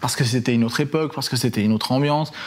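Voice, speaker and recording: Amid noticeable background noise, a man speaks at medium pitch with ordinary pitch variation. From Switzerland, Geneva. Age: 20s. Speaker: YouTuber and gamer. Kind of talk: casual interview. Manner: hesitant, many fillers.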